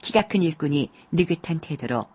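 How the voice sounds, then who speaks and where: A woman narrating a classic story audiobook in a measured, calm way, with a husky voice. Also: low-pitched.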